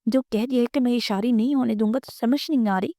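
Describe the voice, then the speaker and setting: Woman doing a stern protective young man, sharp scolding, mellow voice, dry sound, audio novel. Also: on the high side, dry recording, lightly acted.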